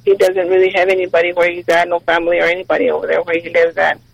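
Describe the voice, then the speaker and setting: Gravelly middle-aged woman caller from Texas. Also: on the low side, completely flat delivery, racing, rough recording. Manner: hesitant, many ums, worried. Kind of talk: phone-in caller asking for prayer.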